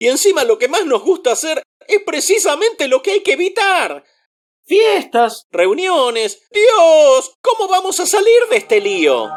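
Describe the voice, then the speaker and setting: A cartoonish character voice at an extremely high pitch swings very widely in pitch while moving at a fairly slow pace. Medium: puppet.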